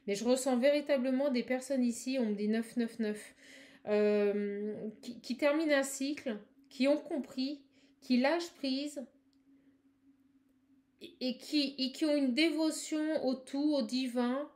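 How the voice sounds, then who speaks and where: A woman's voice: high-pitched, darkish tone. Effusive French woman reading cards. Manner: effusive, fast, exclamatory, addresses viewer directly. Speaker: spiritual card reader. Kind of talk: live tarot-style channeling reading.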